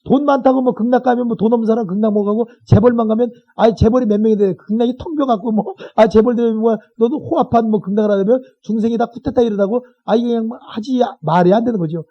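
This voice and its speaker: A Buddhist monk lectures on a sutra to his class in an unusually high voice for a man. He keeps it colloquial and checks back with his listeners as he goes. The recording sounds dull and lo-fi. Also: fast talker, hardly any pauses.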